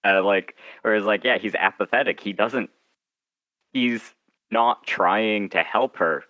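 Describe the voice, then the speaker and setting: Bright-voiced man chatting as an interview guest. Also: lowish voice, a little slow, no echo, muffled recording. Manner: informal, acts out imagined lines of dialogue. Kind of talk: casual interview chat.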